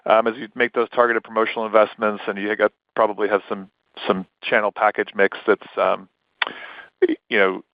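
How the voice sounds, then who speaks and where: A man's voice: on the low side, little pitch movement, normal speed, creaky, dry recording. Wordy man on a dry, dull call. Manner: wordy, winding multi-part questions. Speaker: financial analyst asking questions. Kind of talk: earnings call questioning.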